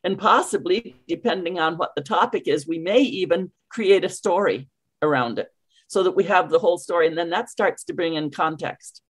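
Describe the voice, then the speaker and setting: An older Canadian woman coaching English on a video call, speaking with crisply enunciated words and an emphatic, storytelling manner. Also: fairly low pitch, normal speed. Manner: warm, emphatic, storytelling, with clearly articulated words. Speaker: ESL coach.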